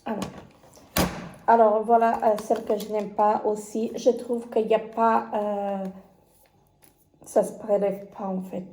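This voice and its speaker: A woman talks slowly through her makeup palette collection in a casual review, stopping often with fillers and restarts. Her voice is soft and mellow. The room gives it a noticeable echo, with a faint hiss behind. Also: mid-range voice. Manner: halting, many fillers and restarts. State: has conjunctivitis. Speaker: beauty vlogger.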